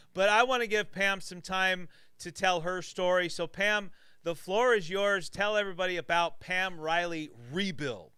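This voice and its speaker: A man's raised, projected voice, high-pitched and bright, sharp in tone, at a moderate pace with ordinary pitch variation. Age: 50s. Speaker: radio and online show host. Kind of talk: casual chat interview. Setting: live radio and video show.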